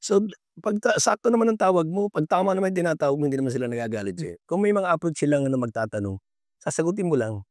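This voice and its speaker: An older man, a veteran basketball referee, answering interview questions in a polite, halting way with many pauses. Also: on the high side, sing-song, no echo, clean studio sound.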